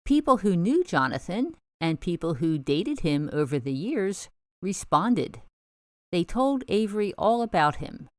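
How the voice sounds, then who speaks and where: A woman host giving scripted narration of a true story in a measured storytelling delivery. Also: lowish voice, big pitch swings, no room sound, clean studio sound.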